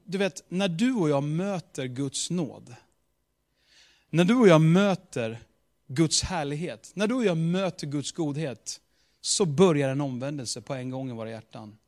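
A man's voice: fairly high pitch, lively intonation, darkish tone. A man preaching a sermon with emphatic, repetitive rhetorical build-ups and casual asides.

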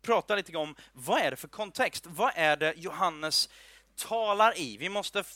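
A man's voice: a little high, lively intonation, bright, forceful tone, dry recording. A man giving an informal, chatty sermon, joking and checking in with his listeners as he explains a Bible passage. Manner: chatty, joking asides, many fillers and restarts; asks the audience "are you with me". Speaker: preacher.

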